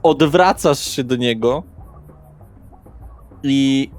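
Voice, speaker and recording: A man's voice: mid-range voice, very slow, a little mellow. A man running a tabletop roleplaying game, casually narrating action and calling for dice rolls. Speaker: game master.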